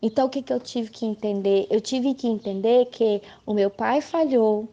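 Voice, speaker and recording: Woman, Brazilian Portuguese accent, Christian ministry leader, frank emphatic testimony, fairly high pitch. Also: normal speed, warm tone, lo-fi sound. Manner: emphatic, frank, acts out quoted voices. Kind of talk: personal testimony talk.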